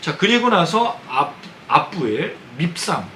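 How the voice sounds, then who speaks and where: Lively Korean pastor preaching. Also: male voice, fairly high pitch, unhurried, slight background noise, rough recording. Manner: conversational preaching, asks the congregation questions. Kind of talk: sermon. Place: church sanctuary.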